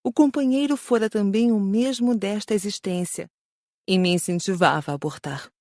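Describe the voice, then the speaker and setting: A woman's voice: medium pitch, normal speed, darkish tone, no room sound, studio quality, close to an everyday voice. A woman playing a remorseful female spirit in a dramatised audiobook, confessing in a reflective way. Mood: regretful.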